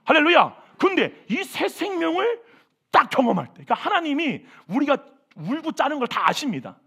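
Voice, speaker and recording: High-voiced, gravelly male preacher. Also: brisk. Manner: animated, exclamatory preaching with self-mocking asides. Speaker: senior pastor. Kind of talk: sermon. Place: church service.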